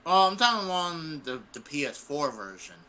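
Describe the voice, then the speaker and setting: A man giving opinions in a casual panel discussion, halting and repeating himself. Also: on the high side, big pitch swings, sharp tone.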